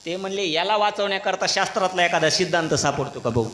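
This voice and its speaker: A man delivers a devotional kirtan sermon, telling a story and acting out its characters as he goes. His voice is bright and forceful and sits somewhat high. The sound rings through a large hall with a long, roomy reverb. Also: fast. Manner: animated storyteller, acts out characters, questions the audience. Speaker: kirtan preacher. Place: large echoey hall at a religious gathering.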